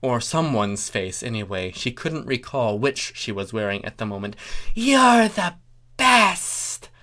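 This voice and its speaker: A narrator reading comic fan fiction aloud in a deliberate, theatrical way, with wry asides. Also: medium pitch. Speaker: narrator, story reader.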